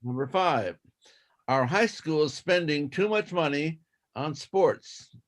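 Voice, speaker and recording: Serving as toastmaster of a speech contest, a man lays out the rules methodically and deliberately repeats himself. His voice is a little high, with lively intonation.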